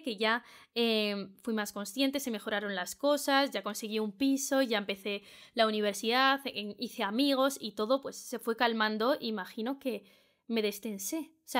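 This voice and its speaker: A woman's voice: on the high side, a bit bright. A young woman from Spain hosting her own podcast, speaking earnestly to the listener and repeating phrases for emphasis. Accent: Spain Spanish. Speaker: podcast host. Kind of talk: solo advice podcast monologue.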